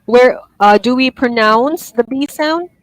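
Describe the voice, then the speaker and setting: Woman, IELTS speaking teacher, raised voice, dry close sound, gently corrective. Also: fairly high pitch, measured pace, no echo, poor audio. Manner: gently corrective, apologetic, laughs easily. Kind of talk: online one-on-one lesson feedback.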